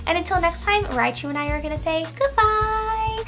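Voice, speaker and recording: A woman giving casual reaction commentary on a show as she watches, gushing and excitable, full of gasps and exclamations. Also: very high voice, normal speed, music in the background. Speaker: reaction video creator.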